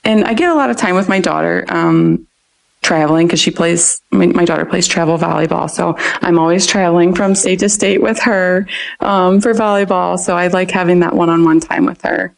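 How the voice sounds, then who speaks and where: Gravelly-voiced woman with a Philadelphia accent. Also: fairly low pitch, steady tone, normal speed, poor audio. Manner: chatty, laughs often between phrases. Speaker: guest, dietetics student. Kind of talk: casual interview chat.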